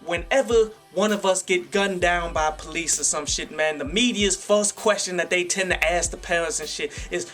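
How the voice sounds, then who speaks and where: A man's voice: sits high, normal speed, hardly any pauses, fairly bright tone. An American man hosting a video review show with casual, opinionated commentary and slangy, sweary talk. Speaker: host of a YouTube review show. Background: music behind the voice.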